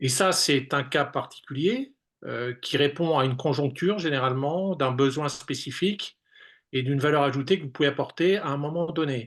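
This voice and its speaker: At a moderate pace and with ordinary pitch variation, the voice comes through against a quiet background. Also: man, fairly high pitch for a man. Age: 60s. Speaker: association president, former business consultant. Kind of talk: webinar panel discussion. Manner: hesitant, many fillers.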